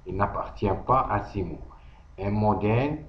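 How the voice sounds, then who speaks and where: Enseignant masculin à l'algérien, débit très lent et posé, son lo-fi avec écho. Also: male voice, lowish voice, lively intonation. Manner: slow, deliberate, thinking aloud with pauses. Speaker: teacher. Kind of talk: slow worksheet walkthrough. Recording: echoey room, dull lo-fi audio.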